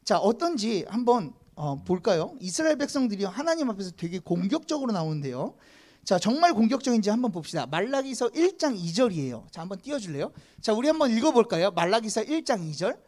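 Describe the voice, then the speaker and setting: Animated, chatty youth preacher. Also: mid-range voice, quick pace. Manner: chatty, asks the students questions; leads group reading with a count-in. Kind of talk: casual sermon to teenagers. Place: church youth service.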